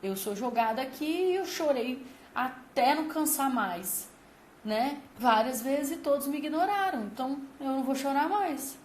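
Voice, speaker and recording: A woman's voice: high voice, expressive, moderate pace, slight background noise. A woman hosting a parenting channel, talking to parents emphatically and explaining through vivid comparisons. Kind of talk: advice talk to parents. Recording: roomy echo with faint ambience.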